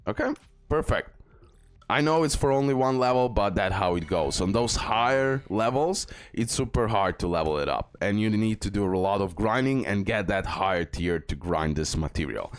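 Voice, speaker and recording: A man's voice: lowish voice, expressive, normal speed, no echo. A man who speaks English as a second language gives a casual, instructive mobile game tutorial, repeating and stressing his key tips. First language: not English. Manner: instructive, repetitive, emphatic about key tips. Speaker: gaming video creator and guide.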